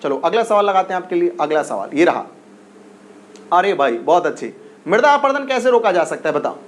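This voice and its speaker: A man teaching an exam-prep class in a high, bright-toned voice. He repeats each question several times and keeps urging his students to answer fast. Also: very animated. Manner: repetitive, coaxing, drills questions and urges quick answers.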